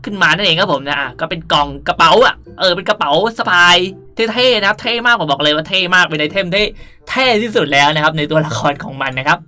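A woman's voice: low-pitched, animated, fast talker, pushed and bright, soft background music. A woman hosting a casual game tutorial, chatty and playful while staying polite to viewers. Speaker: gaming video host.

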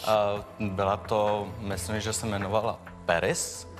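A man's voice: on the low side, flat delivery, big-room sound, soft background music, natural voice. An actor playing a brash, crude male hairdresser testifying as a witness in a TV courtroom show. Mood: cocky. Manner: crude, cocky, laughs at his own remarks.

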